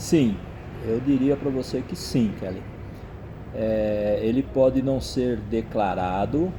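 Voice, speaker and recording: A man at a fairly slow pace with ordinary pitch variation, amid noticeable background noise and audible room echo. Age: 60s. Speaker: human resources consultant. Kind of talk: interview. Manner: hesitant, frequent fillers.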